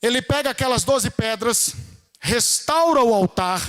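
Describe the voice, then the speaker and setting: A man with a Brazilian Portuguese accent preaching a sermon in church, talking in a conversational way that climbs to fervent shouts. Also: very high-pitched, lively intonation, unhurried, long reverb tail.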